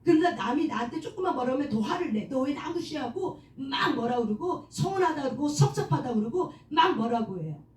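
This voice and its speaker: High-voiced woman preaching in an echoey room. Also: animated, brisk, hardly any pauses, a little mellow, far from the mic, a little hiss or hum. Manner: asks the audience questions and answers them, calls for amens. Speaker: prayer meeting leader. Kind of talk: sermon on self-forgiveness.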